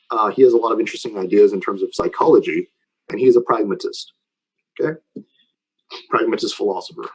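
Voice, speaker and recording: A man's voice: medium pitch, husky, rough recording. A man lecturing informally and taking questions, explaining in a conversational way and often checking that listeners follow.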